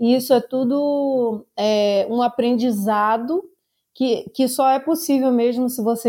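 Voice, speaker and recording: Dark, mellow tone in a woman's fairly high-pitched voice. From Nova Friburgo, Rio de Janeiro, Brazil. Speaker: missionary. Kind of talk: interview.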